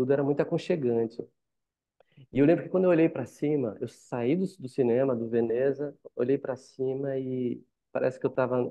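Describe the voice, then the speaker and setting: The background stays quiet. A man talks fairly quickly, his pitch varying in an ordinary way. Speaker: guest. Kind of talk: interview answer. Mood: nostalgic, warm, animated. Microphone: earbuds.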